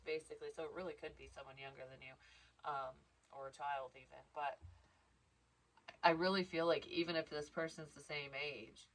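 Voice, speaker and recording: A woman's voice: sits low, rough recording. A woman giving a casual psychic reading, stuffed up and congested, rambling and interrupting herself. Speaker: psychic tarot reader.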